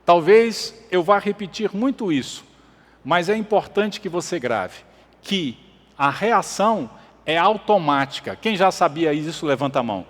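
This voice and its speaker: A man's voice: on the high side, lively intonation, unhurried, in a large hall. A man preaching a sermon as pastor, emphatic, repeating his points and asking the congregation questions. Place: church.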